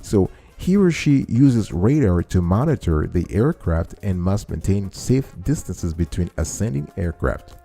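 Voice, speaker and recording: A man's voice: low-pitched, very animated, measured pace, vocal fry, hardly any pauses, warm tone, soft background music. A man hosting an informal explainer, teaching step by step and restating key phrases to his listeners. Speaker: show host and explainer.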